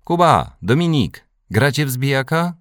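A man voicing an excitable young boy who calls out to his friends. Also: medium pitch, unhurried, dry recording, studio quality, voice pushed up. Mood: excited. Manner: shouting, excited.

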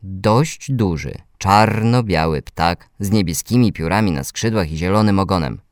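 A man narrating a children's story in a gentle, measured reading voice that speaks to young listeners. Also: low voice, lively intonation, no room sound, clean studio sound.

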